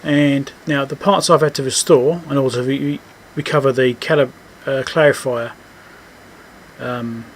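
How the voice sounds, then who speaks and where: A man with a mid-pitched voice talks through electronics repair in a casual way. He pauses and restarts as he thinks aloud, unscripted. There is faint noise behind his voice. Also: fairly even intonation. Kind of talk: casual unscripted technical walkthrough.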